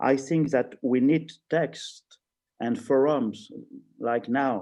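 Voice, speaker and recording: At a very slow pace, a man with a medium pitch speaks in a French accent. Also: ordinary pitch variation, very even loudness. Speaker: archbishop. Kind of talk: reading aloud. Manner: halting.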